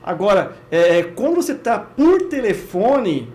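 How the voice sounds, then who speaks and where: A man's voice: sits high, sing-song, slow, darkish tone. Brazilian man hosting, affirming and summing up. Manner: affirming, sums up, tags questions with "né?". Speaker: host. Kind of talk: interview show hosting.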